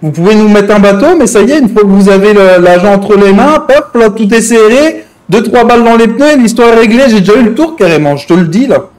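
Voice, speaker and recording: A man's voice: high-pitched, animated, a little fast, hardly any pauses, a little mellow, poor audio. A man playing an aggrieved, crude, threatening hostage-taker out for revenge in an improvised online game roleplay, swearing and repeating his verbal tics. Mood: wary, bargaining. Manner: verbal tic-laden, crude, ranting, swearing.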